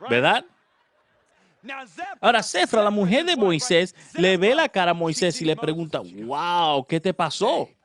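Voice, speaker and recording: A man preaching a sermon, telling the story in an animated way and acting out the characters. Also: high voice, moderate pace, long pauses.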